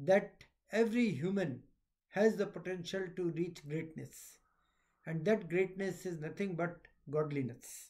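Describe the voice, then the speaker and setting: Against a quiet background, a man talks at a fairly slow pace. His pitch is high, with ordinary variation. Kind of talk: recorded message speech. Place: home room. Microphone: webcam.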